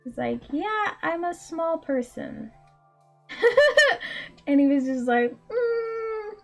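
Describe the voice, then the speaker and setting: A woman in her late twenties with a very high, small voice, telling a story in a casual chat full of laughs and fillers. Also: takes it slowly, vocal fry, soft background music. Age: late 20s. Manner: animated, laughs often, frequent likes and ums. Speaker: indie game developer and streamer.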